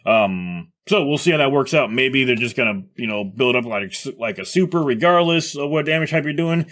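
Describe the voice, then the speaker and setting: A man gives casual gaming commentary, reading aloud and reacting as he thinks out loud. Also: mid-range voice, lively intonation, normal speed.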